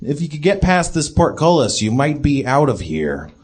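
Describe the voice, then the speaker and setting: A man running a live comedy tabletop game as dungeon master, with a slightly high voice that moves a lot in pitch. He narrates casually, stopping and restarting with plenty of fillers. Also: big pitch swings, moderate pace, breathy edge.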